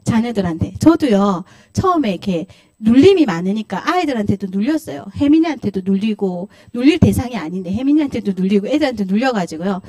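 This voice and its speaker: Lively, animated Korean woman preaching. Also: mid-range voice, quick pace, few pauses, no room sound. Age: middle-aged. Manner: animated, acts out scolding quotes, laughs often. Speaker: pastor's wife preaching. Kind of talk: lively Friday service sermon. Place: church sanctuary.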